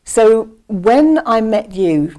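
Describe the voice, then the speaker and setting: A woman hosting an interview, a real estate agent who asks chatty questions with quick asides. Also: on the high side, big pitch swings, warm tone. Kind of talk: conversational interview.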